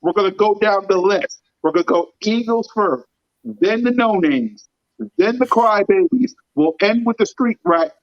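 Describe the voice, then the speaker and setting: Man, sports podcast host, hype fan energy, hoarse scratchy voice, high and slow. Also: no echo, highs cut off. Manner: excited, hype fan talk. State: scratchy voice from screaming. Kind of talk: casual sports podcast chat.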